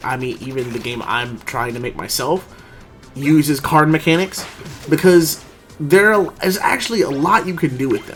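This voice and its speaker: A man speaks at a fairly high pitch with lively intonation. Music plays in the background. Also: moderate pace, big swings in loudness. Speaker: game reviewer and aspiring indie developer. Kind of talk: game review talk. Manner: soft-spoken.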